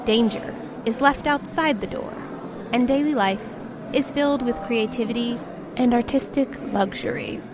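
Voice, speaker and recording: A woman's voice: on the high side, moderate pace, noisy background. A woman acting as game master, narrating a tabletop roleplaying story in a casual, descriptive way. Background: background music.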